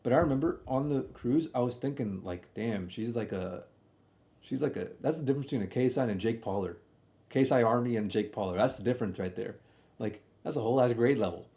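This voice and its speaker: A man's voice: medium pitch, brisk, mellow. A young man telling a casual, slangy stream story, often doubling back and repeating himself as he comments on old videos.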